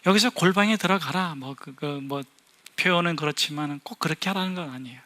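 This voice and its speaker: A man preaching a Sunday sermon as a pastor, animated, with sudden loud emphasis and quick voiced asides. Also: a little high. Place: church sanctuary.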